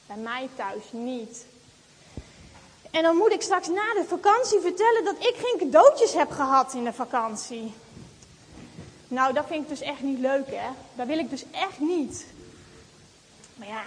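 A woman acting as a chatty little schoolgirl who longs for a doll, speaking straight to the audience in a stage monologue, in an echoey hall. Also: high voice. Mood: wistful. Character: little schoolgirl, wistful, tempted to take a doll. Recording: echoey hall, faint background noise.

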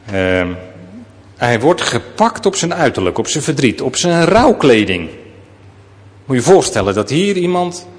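A man preaching a sermon, telling the story in a lively way and speaking straight to his listeners. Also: medium pitch, measured pace, long reverb tail.

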